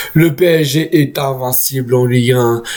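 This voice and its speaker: A man is speaking. He goes at a very slow pace. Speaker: football fan vlogger. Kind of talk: vlog monologue.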